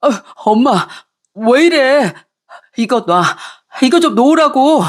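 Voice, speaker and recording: A woman's voice: sits high, expressive, slow, voice pushed up, full character voice. A woman voicing a flustered, cheating husband who pleads and dodges. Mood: pleading.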